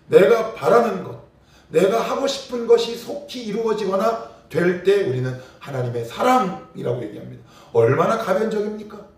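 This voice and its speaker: A male pastor giving a lively sermon, asking his congregation questions and acting out little scenes. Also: sits high. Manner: animated preaching, acting out scenes and rhetorical questions. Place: church sanctuary. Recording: very echoey church hall, voice from a distance.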